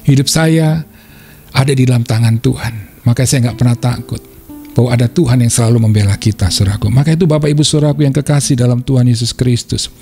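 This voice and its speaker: A male pastor preaching a sermon with passion, his voice jumping up in pitch to stress a point. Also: steady tone, fast talker, warm tone, faint music behind.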